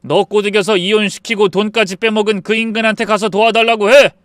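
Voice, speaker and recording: A man playing a young husband who shouts at his sister and turns heavy and resigned. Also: sits high, flat delivery, brisk, no echo, clean studio sound, voice pushed up. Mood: furious. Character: enraged then broken husband, young man, stern.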